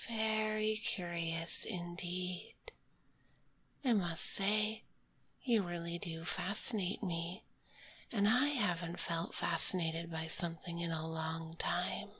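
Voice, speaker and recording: A woman playing a kind, curious spider monster girl in a whispered ASMR roleplay, speaking gently in a breathy, politely formal way, close to a binaural microphone. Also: lowish voice, a little hiss or hum. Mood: curious, teasing. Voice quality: breathy, hushed.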